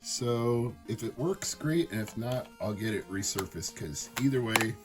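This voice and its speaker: A man with a raspy, hoarse voice from a cold, chatting casually and with enthusiasm as he shows off his thrift store finds for a video. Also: lowish voice, animated, measured pace, over loud music. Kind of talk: casual show-and-tell chat.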